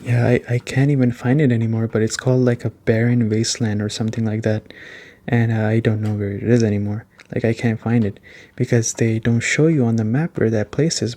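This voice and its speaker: Male game reviewer, ASMR style: gentle delivery, conversational, mid-pitched and warm-toned. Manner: soft-spoken, conversational. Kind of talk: soft-spoken ASMR game review, casual chat.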